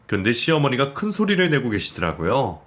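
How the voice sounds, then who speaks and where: A man narrating a scripted story in a steady, measured way. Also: medium pitch.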